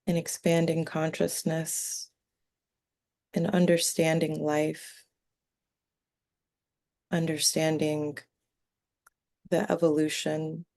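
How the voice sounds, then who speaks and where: A channeling medium, a woman in trance, gives voice to six serene alien beings in a low, gravelly register. Her brief, formal phrases come very slowly, separated by long pauses, with a solemn and detached mood.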